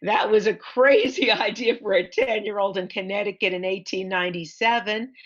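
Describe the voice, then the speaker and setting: A woman author reading her picture book aloud to children in an expressive storytime manner, with asides to point things out. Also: mid-range voice, normal speed, highs cut off. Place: online library event.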